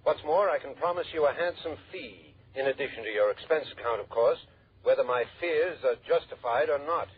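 A man's voice: mid-range voice, slight background noise, close to an everyday voice. An actor playing a worried, formal male insurance executive in an old radio drama. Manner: formal, measured, anxious. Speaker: insurance company manager on the phone. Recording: dull lo-fi old radio broadcast.

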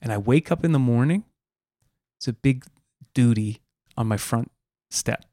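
A man's voice: mid-range voice, a little slow, mellow, no echo, clean studio sound. A man co-hosting a comedy podcast, rambling through a spooky story with plenty of fillers. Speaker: podcast co-host.

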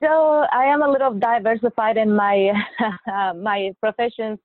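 A woman's voice: mid-range voice, fairly even intonation, moderate pace, dry recording. A woman, a podcast guest who speaks hesitantly and laughs often. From Mexico. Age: 40s. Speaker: guest, nurse anesthetist. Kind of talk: podcast interview. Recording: dry tinny phone-like line.

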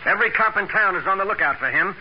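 An actor playing a gruff, sarcastic police sergeant who talks bluntly in a 1940s radio crime drama. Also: male voice, high voice, lively intonation, fast talker. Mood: determined. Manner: blunt, slangy interrogating. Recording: muffled, hissy old radio recording.

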